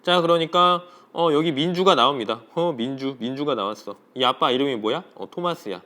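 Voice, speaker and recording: A man's voice: medium pitch, brisk. A man teaching a middle school Korean lesson, talking directly to his students and asking them questions. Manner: lively, talks directly to students and asks for answers. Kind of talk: recorded classroom lesson.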